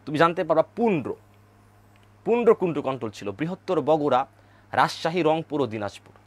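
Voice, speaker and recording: A male teacher gives an online history lesson over map slides, repeating key names, quizzing his viewers, and having them chant names aloud. His voice is on the high side and sing-song, fairly quick, in a dry recording.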